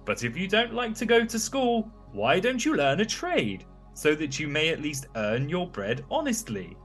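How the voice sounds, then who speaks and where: An old, wise talking cricket from a storybook acted by a man, pitched up from normal speech. It preaches patiently and draws out its warnings with lively swoops, over faint music. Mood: preachy, calm. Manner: slow, moralizing, drawn-out warnings.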